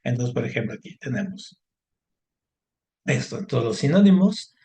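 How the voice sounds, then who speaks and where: A man's voice: mid-range voice, big pitch swings, normal speed, dark tone. A man teaches a lesson in an explanatory way. He keeps checking in with his listeners, with many short questions and fillers. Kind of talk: online class lesson.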